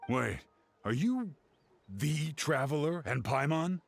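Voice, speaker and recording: An actor playing a weary older scholar and uncle in a video game, speaking in an earnest, dejected way. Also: male voice, on the high side, big pitch swings, takes it slowly, vocal fry, faint music behind, full character voice. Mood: surprised.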